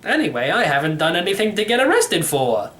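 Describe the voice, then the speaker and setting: A man's voice: high voice, sing-song, brisk, a bit bright, voice pushed up. A man voicing a cheerful, reckless, eccentric old uncle from a storybook in a theatrical, breezy manner. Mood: gleefully dismissive. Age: older. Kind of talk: storybook character voice.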